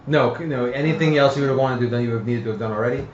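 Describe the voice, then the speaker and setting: Halting man explaining game rules, roomy sound. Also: mid-range voice. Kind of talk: casual tabletop game chat with rules reading. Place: indoor room, group around a game table. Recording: roomy, dull lo-fi live stream with noise.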